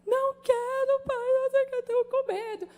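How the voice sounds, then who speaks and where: A woman's voice: extremely high pitch, fairly even intonation, moderate pace, mellow, pitched above the performer's own voice. A woman voicing a frightened young woman who pleads tearfully and stammers. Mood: tearful pleading. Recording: long church hall reverb.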